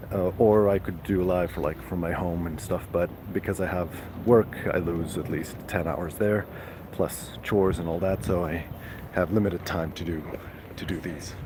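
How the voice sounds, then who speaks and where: A man hosting a casual live stream, chatting with viewers in a halting way full of fillers and restarts. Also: deep voice, darkish tone, slight background noise. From Serbia.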